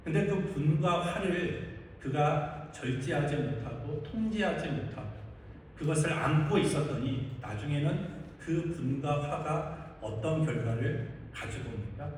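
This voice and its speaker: A man's voice: fairly high pitch, expressive, unhurried, a little mellow. A male pastor preaching a sermon to his congregation, often putting questions to them and answering them himself. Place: large church sanctuary. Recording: echoey hall, distant mic, faint noise.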